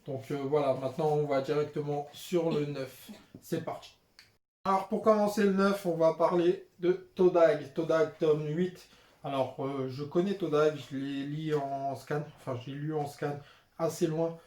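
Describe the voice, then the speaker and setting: A young manga vlogger chats casually and unscripted while showing his purchases, in a fairly high, unhurried, slightly mellow voice. He hesitates often, filling his talk with "euh" and "voilà," and the room sounds roomy and echoey.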